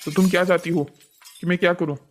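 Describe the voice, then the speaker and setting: A strict, unyielding family man from a cartoon drama voiced by a man. He speaks in a somewhat high male voice, with a firm, lecturing manner. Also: steady tone, brisk, a little hiss or hum, natural voice. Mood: firm, irritated. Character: strict, unyielding father and husband. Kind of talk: scripted cartoon story dialogue.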